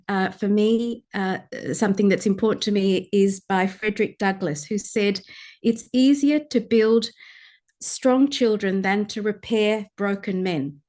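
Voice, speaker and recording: A woman's voice: medium pitch, a little mellow. Earnest woman giving a speech. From Sri Lanka. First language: Tamil. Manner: measured and earnest, with frequent pauses to search for words. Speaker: guest speaker, pediatrician. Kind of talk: formal conference address.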